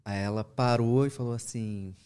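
Male therapist, storytelling talk, animated pitch jumps, casual asides, mid-pitched voice. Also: moderate pace, clean tone. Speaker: therapist speaking about his practice. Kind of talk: conversational teaching talk.

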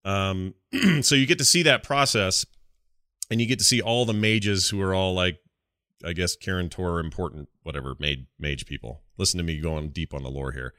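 A man chatting casually as a gaming podcast host, animated and jokey, often acting out imagined bits of dialogue. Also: low voice, normal speed, no echo, clean studio sound.

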